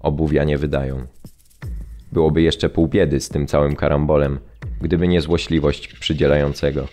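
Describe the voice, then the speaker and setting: Guy playing male camp prisoner telling his story, super low voice, pretty flat and sombre, audio drama. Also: normal speed. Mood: sombre, restrained. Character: male Polish concentration camp prisoner recounting camp life, sombre. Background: music.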